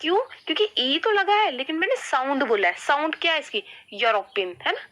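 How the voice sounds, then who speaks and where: A woman's voice: high voice, very animated, brisk, fairly bright tone, rough recording. A woman teaching an English grammar lesson in Hindi. She keeps asking questions and answering them herself, and says "ठीक है" often. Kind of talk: classroom-style grammar lesson.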